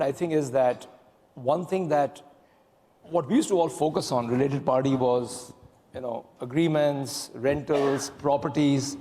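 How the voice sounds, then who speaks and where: A man's voice: mid-range voice, mellow. A man, speaking frankly as a panelist. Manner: candid, frank opinions. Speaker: panelist, investment executive. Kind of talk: panel discussion. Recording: long hall reverb.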